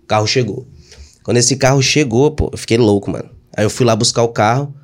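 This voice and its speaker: Fast-talking Brazilian man telling a story. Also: mid-range voice. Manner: rapid, animated storytelling with many fillers. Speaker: guest. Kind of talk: casual storytelling interview.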